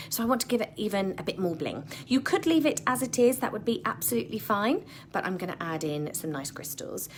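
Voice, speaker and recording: A woman with a croaky voice teaching a live beading tutorial, chatty and full of ums and self-corrections, with a British English accent. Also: medium pitch, slight background noise.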